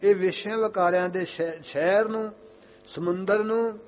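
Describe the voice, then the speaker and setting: A young man giving an earnest Sikh sermon, repeating his phrases and reciting scripture lines slowly in a chanting way. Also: high-pitched, fairly even intonation, slight background noise. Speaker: Sikh preacher.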